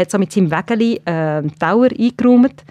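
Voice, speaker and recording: A woman with a normal speaking voice at a moderate pace, in a dry, close sound with no echo. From Switzerland, Bern. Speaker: lawyer and mediator. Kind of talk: radio interview. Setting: studio.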